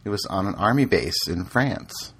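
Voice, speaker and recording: A man hosting a casual podcast chat, laid-back and quick to laugh. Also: low-pitched, animated, a bit bright, slightly rough. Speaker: podcast host.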